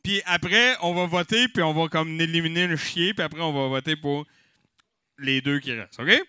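A man's voice: fairly high pitch, normal speed, sharp tone, clear, resonant tone, no room sound, clean studio sound. A man with a Québécois accent hosting a live comedy night, joking and swearing loosely with the crowd. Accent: Québécois French. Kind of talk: improvised stand-up hosting with mock auction. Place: live venue with audience.

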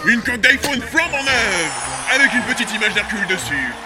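A man voicing an excitable cartoon tournament announcer with grandiose showmanship. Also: extremely high pitch, fairly quick, music in the background. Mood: festive. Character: showy, excitable tournament announcer presenting prizes.

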